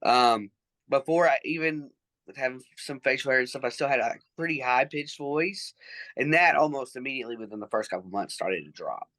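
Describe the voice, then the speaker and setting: Earnest, bright-voiced trans man. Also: medium pitch, expressive, brisk, dry recording. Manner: earnest, reflective, with frequent fillers. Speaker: interview guest. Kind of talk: casual conversational interview.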